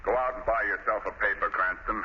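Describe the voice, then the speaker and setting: Guy as grumpy cop boss in an old radio show, lowish voice, brusque, muffled sound. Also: fairly even intonation, fast, close to an everyday voice. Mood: brusque, smug. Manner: brusque, blustering. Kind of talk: 1930s radio drama acting. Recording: muffled, faintly noisy 1930s radio recording.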